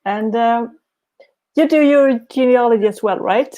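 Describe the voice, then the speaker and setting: A woman's voice: on the high side, a little slow, dark tone. A woman hosting a casual video call interview, giving short affirming replies and questions. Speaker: host.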